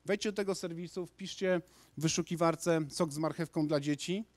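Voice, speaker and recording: A conference speaker in his thirties gives an energetic presentation to a lecture hall, gesturing and frequently restarting his sentences. He talks at normal speed in a voice fairly high for a man, and the handheld mic gives a dry, close sound.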